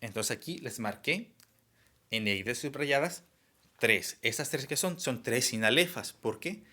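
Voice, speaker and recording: A man's voice: medium pitch, lively intonation, measured pace, pushed and bright. A young man explaining a lesson, with frequent fillers and restarts. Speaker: teacher. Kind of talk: online class lecture.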